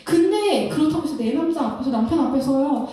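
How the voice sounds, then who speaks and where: A Christian counselor woman giving a lively talk, often laughing and acting out what couples say to each other. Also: sits high, a little fast. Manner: animated, laughs often, acts out couples' lines. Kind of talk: lecture-style talk. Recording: very echoey room, voice from a distance.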